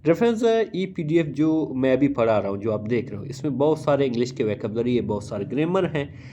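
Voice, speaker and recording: A man with a South Asian accent teaching English, reading phrases slowly and deliberately, then explaining and repeating them in translation. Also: mid-range voice, big pitch swings, mellow.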